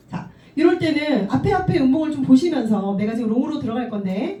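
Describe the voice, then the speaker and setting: An animated woman speaks fairly quickly at a high pitch with very wide swings. Audible room echo and noticeable background noise are present. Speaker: trading instructor. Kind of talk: lecture. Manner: fast.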